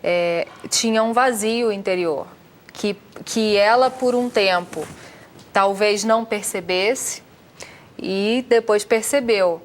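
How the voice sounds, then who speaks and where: A Brazilian woman on a talk show panel, explaining her view in a measured way with hesitant fillers. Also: medium pitch, a little hiss or hum. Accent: Brazilian Portuguese. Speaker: guest panelist.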